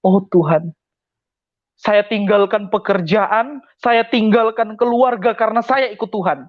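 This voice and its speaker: A young man with a notably high voice tells his personal conversion testimony with emphasis, circling back to repeat key phrases. The sound is dull and lo-fi, with a close, dry feel and no room echo. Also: a little slow. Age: young adult. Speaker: testimony speaker.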